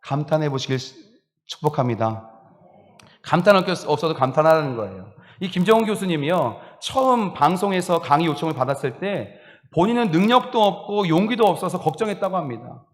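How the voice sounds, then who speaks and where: A male pastor preaching a sermon, lively and animated, acting out exclamations and laughing along as he speaks. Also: a little high, brisk. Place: church sanctuary. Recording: reverberant church hall.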